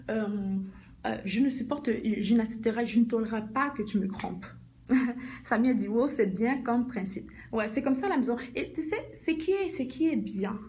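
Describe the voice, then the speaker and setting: A woman's voice: fairly high pitch, warm tone, a little hiss or hum. A middle-aged woman, a life coach giving a motivational live talk, speaking straight to her viewers and repeating her points.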